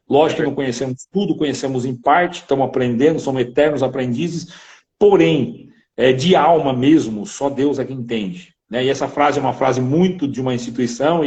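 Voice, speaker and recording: Animated preacher telling his testimony. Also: a little high, rough recording. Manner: lively storytelling, acting out voices, emphatic. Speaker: interviewed preacher. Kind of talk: testimony in a religious interview.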